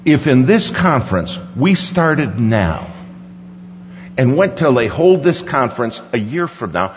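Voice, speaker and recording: Lively, slow-building preacher in a big hall. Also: male voice. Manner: emphatic, swings from hushed low lines to sudden high stresses. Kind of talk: sermon. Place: large conference hall. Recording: dull sound, long hall reverb, faint hiss.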